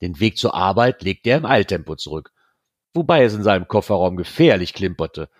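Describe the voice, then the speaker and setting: A man reading a novel aloud in a steady, even storytelling manner. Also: deep voice, a little fast, no room sound, clean studio sound. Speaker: reader.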